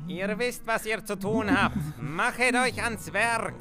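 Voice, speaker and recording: A woman's voice: medium pitch, takes it slowly, close to an everyday voice. A woman playing a commanding, impatient villain in an amateur German audio drama, speaking in solemn, archaic formal phrases over music. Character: commanding, impatient villain conjuring helpers from the underworld. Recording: music bed under the voice.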